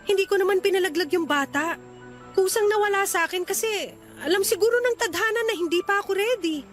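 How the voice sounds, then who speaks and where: Isang babaeng gumaganap sa dramang pag-ibig sa radyo bilang prangka at malungkot na dalagang nakikipaghiwalay sa nobyo. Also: female voice, extremely high pitch, quick pace, faint music behind. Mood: defensive. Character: unhappy young woman bluntly breaking up with her boyfriend. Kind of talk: radio romance drama acting.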